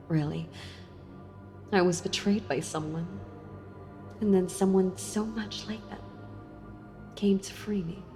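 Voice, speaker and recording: A woman playing a sealed-away female villain in an audio role-play, speaking to the listener tenderly, intimately and with hesitant pauses. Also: fairly low pitch, dark tone. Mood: wistful, affectionate. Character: sealed-away female villain, wistful, softly seductive and enthralled. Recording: long reverb with music behind. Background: music.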